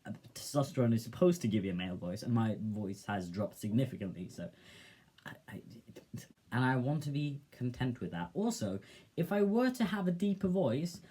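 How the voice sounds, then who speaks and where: Soft-spoken young man musing on camera. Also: medium pitch, very animated, normal speed, breathy edge. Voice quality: soft, gentle voice. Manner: reflective, hesitant, with many fillers. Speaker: vlogger. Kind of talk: casual personal vlog.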